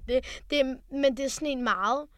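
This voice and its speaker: A woman's voice: high voice, a bit bright. A young woman chatting casually and hesitantly, with many fillers and restarts. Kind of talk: casual chat.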